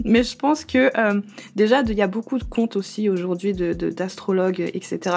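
Music in the background behind a woman speaking at a moderate pace. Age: 20s. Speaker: astrologer and small business owner. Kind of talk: interview. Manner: hesitant, many fillers.

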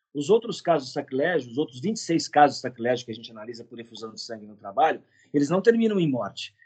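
A man with a fairly high pitch speaks at a very fast pace. His pitch swings very widely and his loudness swings a lot. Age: 50s. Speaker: historian and journalist. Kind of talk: interview. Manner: halting.

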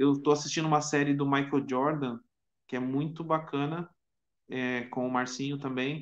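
A man talks in a normal speaking voice at a moderate pace. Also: quiet background. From São Paulo, Brazil. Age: 40s. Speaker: school education administrator, albino. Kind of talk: casual chat.

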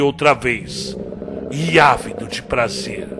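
A man with a fairly high pitch speaks very slowly in a solemn, dramatic tone. Music plays in the background. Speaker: audiobook narrator and literature teacher. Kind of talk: literary horror audiobook reading. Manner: slow, solemn, gravely dramatic narration building dread; formal, measured, ominous first-person storytelling.

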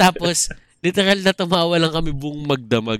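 With a plain, everyday voice, a man talks at a moderate pace, his pitch fairly high and its variation ordinary. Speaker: esports caster. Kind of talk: casual chat.

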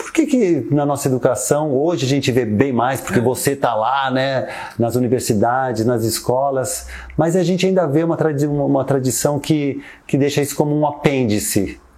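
With audible room echo, a man talks at a moderate pace in a fairly high pitch with ordinary pitch variation. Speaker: podcast host, actor and mime. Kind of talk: casual interview chat.

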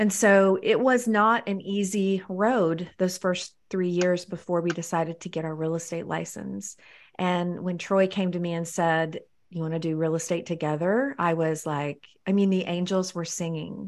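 Against a quiet background, a woman uses a normal speaking voice, fairly low in pitch with fairly even intonation. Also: moderate pace. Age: 30s. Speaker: realtor. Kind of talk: radio interview.

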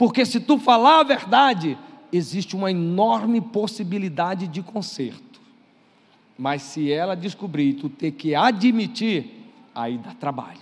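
A man with a Brazilian accent speaks at a fairly slow pace and a high pitch. His tone is animated, with very wide pitch swings and big swings in loudness. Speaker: pastor. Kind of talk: sermon.

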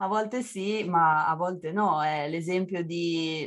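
A woman talks at a very slow pace. Her voice is fairly low. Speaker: Italian language teacher. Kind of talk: interview.

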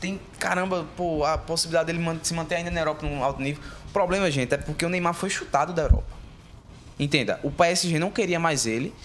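Music plays behind a man speaking at a very fast pace. His voice is high and his intonation fairly even. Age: 20s. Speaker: football podcast host. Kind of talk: casual sports chat.

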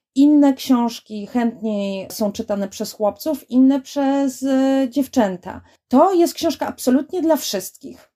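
Very slowly, a woman speaks in a high pitch with a dark, mellow tone and lively intonation. The recording is very clean, with a silent background. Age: 40s. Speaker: children's book publishing promotion specialist. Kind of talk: podcast interview.

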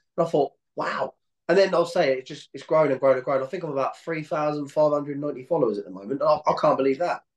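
Speaking very fast with a British accent, a man uses a fairly high pitch and big swings in loudness. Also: ordinary pitch variation. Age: 30s. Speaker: wrestling fan and social media creator. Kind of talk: casual chat.

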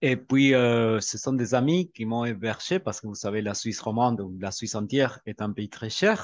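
In a Spanish accent, a man talks at a moderate pace with hardly any pauses, his medium pitch rising and falling in an ordinary way. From Argentina. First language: Spanish (speaking French). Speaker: language teacher. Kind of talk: casual interview. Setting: video call. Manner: halting.

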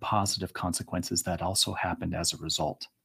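On a very clean, silent-background recording with a dry, close sound and no echo, a man speaks fairly quickly in a somewhat breathy, very deep, low voice. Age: 40s. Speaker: executive coach and author. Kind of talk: interview.

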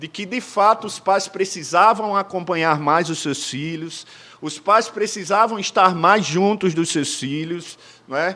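A man speaks at a fairly slow pace in a raised, projected, high-pitched voice, with ordinary pitch variation and big swings in loudness. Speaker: pastor. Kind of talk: sermon.

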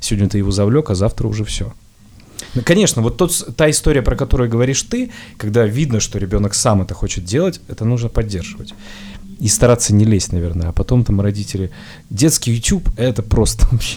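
At a fairly quick pace, a man speaks in an unremarkable speaking voice with medium pitch and ordinary pitch variation. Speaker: podcast host. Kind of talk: casual chat. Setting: studio.

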